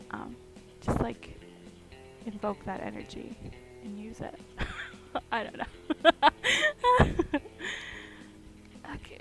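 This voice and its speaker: A woman with a rather high, creaky voice chats casually on a live stream while carving pumpkins. She sounds groggy, like it's early morning, and she giggles, rambles and hums to herself. Music plays in the background.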